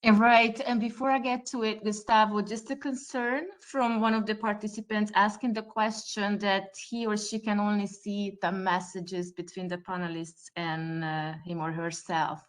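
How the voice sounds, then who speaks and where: A woman's voice: mid-range voice, flat delivery, normal speed, hardly any pauses. A woman presenting recruitment advice in a webinar over a video call, reading prepared points with some fillers.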